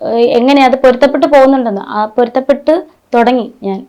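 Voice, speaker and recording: A woman's voice: high voice, quick pace, dark tone, lo-fi sound. A woman guest in an interview, talking earnestly about personal memories, often restarting her sentences. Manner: earnest, rambling with frequent restarts. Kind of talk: emotional personal recollection.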